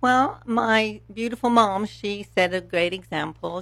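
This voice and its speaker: Fairly even intonation marks a woman's fairly slow speech. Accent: slight English. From England. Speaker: massage therapist and fitness trainer. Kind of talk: interview testimony.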